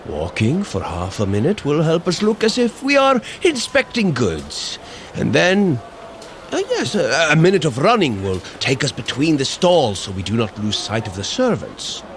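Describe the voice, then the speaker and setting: An actor playing a hearty, impatient, good-natured warrior god in a scripted audio adventure, with blunt, theatrical, old-fashioned phrasing. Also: male voice, fairly high pitch, wildly swooping pitch, normal speed, a little hiss or hum. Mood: instructing. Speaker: fitness workout guide character.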